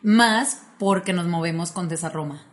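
A young woman from Monterrey with a northern Mexican accent, co-hosting a comedy podcast with playful, deadpan jokes. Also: on the low side, moderate pace. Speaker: podcast co-host. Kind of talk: casual comedic chat.

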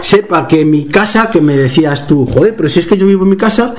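Spanish author telling lively anecdotes. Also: male voice, fairly high pitch, fast, a crowd in the background. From Guadalajara, Spain. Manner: animated storyteller, acts out dialogue, laughs while telling. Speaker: author, interview guest. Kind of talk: casual interview chat.

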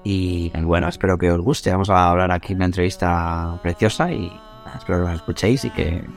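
Low-voiced musician from Spain, reflective. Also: male voice, steady tone, fairly quick, creaky, over music. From Albacete, Spain. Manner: reflective, hesitant, repeats words. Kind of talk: interview answers.

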